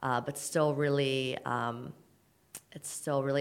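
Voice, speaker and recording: Speaking with a Mid-Atlantic accent, a woman with a very deep, low pitch talks fairly slowly in a flat, monotone way. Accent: American, Mid-Atlantic. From Baltimore, Maryland, US. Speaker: fitness studio founder. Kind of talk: podcast interview.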